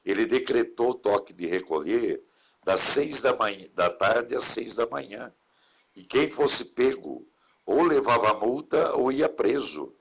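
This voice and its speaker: A man's voice: mid-range voice, animated, measured pace, gravelly, slightly rough. A man who is a Catholic priest, chatting reflectively and often turning to caring for one another. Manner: warm, reflective, preachy asides about caring for others. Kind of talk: casual conversation in a live stream.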